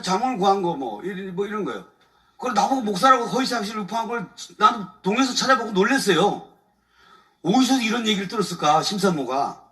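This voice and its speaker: Male lawyer at a church testimony, high bright voice, chuckling, casual and aggrieved, picked up by a distant mic. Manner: colloquial, chuckles often, aggrieved storytelling. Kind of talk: animated testimony talk. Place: church evening service before a congregation.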